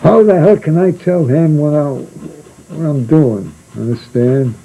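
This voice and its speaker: An older man tells a spoken memoir of his seafaring days in a gravelly, very dark voice. His delivery is slow, halting and rambling, with many restarts and fillers. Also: fairly high pitch, slight background noise, low-quality recording.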